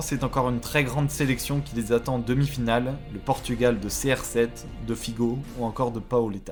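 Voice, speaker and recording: Music plays behind a man speaking at a moderate pace. His intonation is fairly even. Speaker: voice-over narrator. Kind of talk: documentary narration.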